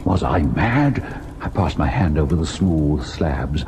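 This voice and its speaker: A man's voice: rumbling low, lively intonation, unhurried, a little mellow. An actor playing a devoted young husband who narrates his ghost encounter in theatrical, literary radio-drama style. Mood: mounting horror. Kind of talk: dramatic old-time radio first-person narration. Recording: noisy old radio drama recording.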